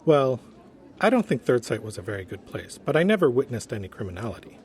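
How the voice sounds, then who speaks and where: A gentle, earnest human resources man, played by an actor in an audio drama. He is polite and prim, with a medium-pitched voice that swings expressively. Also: very animated, a little hiss or hum, natural voice. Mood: puzzled, prim. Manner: polite, prim, measured wording. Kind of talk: audio drama acting as interview guest.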